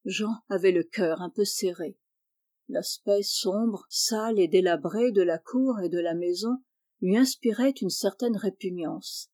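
A woman narrating a classic children's novel in a calm, measured audiobook reading. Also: medium pitch. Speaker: audiobook reader. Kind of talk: storybook narration.

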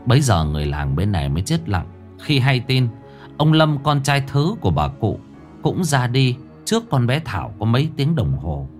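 A man tells a ghost story dramatically and expressively, his mid-range voice moving at normal speed while faint music plays behind him.

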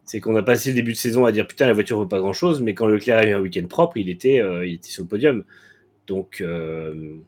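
A man's voice: lowish voice, quick pace, a little mellow. A man co-hosting a motorsport talk show, giving frank, blunt opinions with many hesitant fillers. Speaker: motorsport podcast co-host. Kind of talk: casual opinionated chat.

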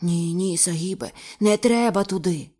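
A woman's voice: fairly low pitch, moderate pace, dark tone, husky. A woman voicing a terrified male pearl diver who pleads in breathless, panicked bursts. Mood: frightened.

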